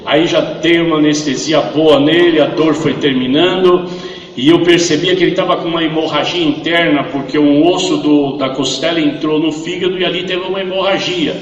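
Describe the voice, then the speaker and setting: A man giving a testimony in church, retelling a story and acting out its voices, rising to loud, fervent preaching. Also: a little high, normal speed, dull audio, slight background noise. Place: large church hall. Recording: echoey church hall, from far off.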